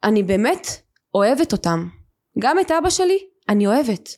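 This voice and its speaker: A woman's voice: on the high side, sing-song, darkish tone. A woman guest on an interview podcast, telling her own story in a vivid, emotional way.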